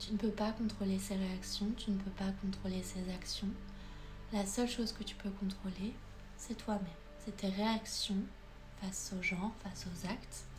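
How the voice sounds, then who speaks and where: Over music in the background, a woman at medium pitch talks in a flat monotone at a fairly slow pace, with long, frequent pauses. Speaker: ASMR creator. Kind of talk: ASMR positive affirmations for breakup healing. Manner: soft, calming, intimate.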